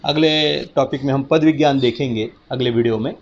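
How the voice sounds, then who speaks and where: A man teaching a recorded lesson, explaining slowly and patiently and often checking that students have understood. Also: mid-range voice, steady tone, dull audio, a little hiss or hum. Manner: slow, patient explaining with repeated check-ins. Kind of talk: recorded lecture.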